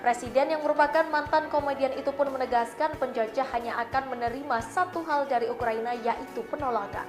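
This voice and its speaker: Casting: Indonesian woman, high voice, for scripted news narration over light background music. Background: faint background music.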